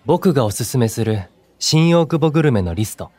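An actor playing a kind, composed young male idol in an audio drama, speaking as a friendly, encouraging senior with gentle wording. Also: mid-range voice, lively intonation, normal speed, no room sound, soft background music, natural voice. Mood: helpful. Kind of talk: Japanese audio drama acting.

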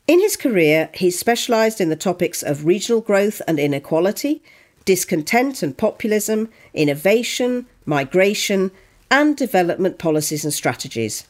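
A woman hosts an interview podcast, speaking articulately through prepared introductions and questions. Her voice sits on the low side for a woman. Her intonation is lively and moves a lot. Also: moderate pace. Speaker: podcast host.

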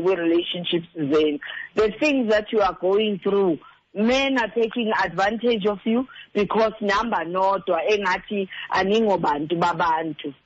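A man's voice: sits high, no room sound, muffled recording. A man with a South African Xhosa accent giving earnest, direct advice as a relationship counsellor, stressing points by repetition. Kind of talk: earnest advice, mixing in two languages.

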